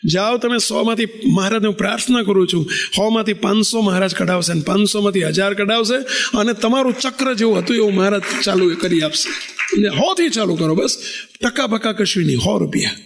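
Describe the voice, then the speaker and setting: A man, a monk, preaching a sermon to a congregation, asking the crowd rhetorical questions and telling stories with lively animation. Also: high voice, fairly quick.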